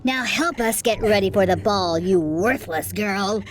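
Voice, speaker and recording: A woman voicing a cruel, sneering bully from Cinderella's stepfamily in an animated fairytale, taunting with drawn-out insults. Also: mid-range voice, crowd noise, close to an everyday voice. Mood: bossy, sneering. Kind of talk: animated fairytale storybook acting.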